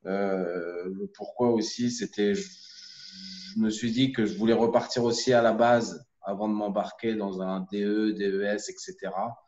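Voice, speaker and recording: A man's voice: lowish voice, steady tone, moderate pace, a little mellow. A man from the Paris region who coaches amateur basketball, speaking hesitantly and reflectively with many fillers, over a video call. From Paris region, France. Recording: echoey, muffled video call audio.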